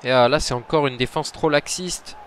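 A man commentating his own football video game match, muttering between plays and shouting when goals go in. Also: medium pitch, normal speed, slight background noise. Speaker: gaming commentator.

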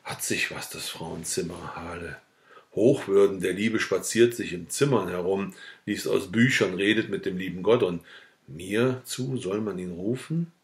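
A man reading the lines of a sick, dying old farmhand in a quiet, weak, indignant mutter. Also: sits low, moderate pace. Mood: grumbling, indignant.

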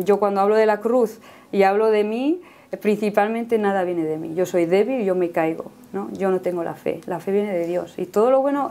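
A woman's voice: mid-range voice, dark tone, slight background noise. A woman in her thirties telling her personal faith story in earnest conversation. She often ends phrases with a questioning "no?". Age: 30s. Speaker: guest giving a faith testimony.

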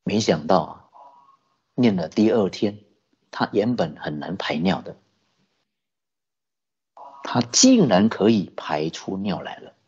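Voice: sits low, very animated, slow, pauses often, darkish tone, husky. A Buddhist teacher giving a sermon, telling a story with many rhetorical questions. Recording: dull lo-fi recording.

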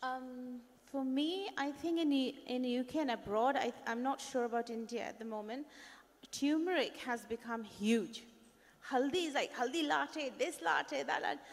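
A woman's voice: high-pitched, moderate pace. A woman chef speaking on a conference panel, telling stories with hesitant fillers into a handheld mic. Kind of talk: panel discussion on stage. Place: large conference stage. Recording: long hall reverb.

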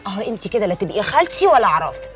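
Sweet-talking nosy neighbor, Egyptian accent, quick voice, drama music behind. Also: female voice, medium pitch, very animated, a bit bright. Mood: flattering. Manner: sweet-talking, swearing oaths. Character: flattering young neighbor woman, nosy. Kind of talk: TV drama acting.

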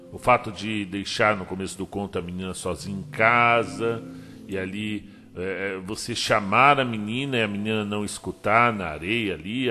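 Male host, lowish voice, casual chatty commentary, long reverb. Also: a bit bright.

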